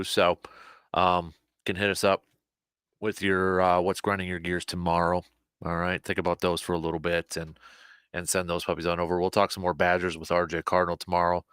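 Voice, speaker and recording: A man with a low voice hosts a casual sports talk show, slightly hoarse and animated, often repeating himself as he restarts his sentences. The sound is dry and close. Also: normal speed, no echo.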